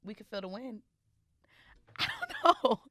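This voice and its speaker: A woman's voice: on the high side, lively intonation, measured pace, a bit bright, no room sound. A young woman co-hosting a casual podcast, blunt and slangy, swearing freely as she chats. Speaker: podcast co-host. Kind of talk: casual, unfiltered chat. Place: podcast studio.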